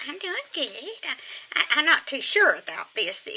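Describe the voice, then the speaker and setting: A woman performs a cartoonish character voice with a high pitch and big swings in loudness. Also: moderate pace. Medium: puppet.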